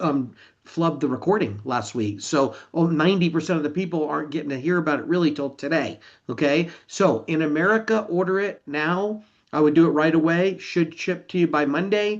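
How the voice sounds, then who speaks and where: With a normal speaking voice, a man of fairly high pitch talks at a fairly quick pace with ordinary pitch variation against a quiet background. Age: 60s. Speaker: network marketing leader. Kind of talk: live webinar update. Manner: casual, conversational.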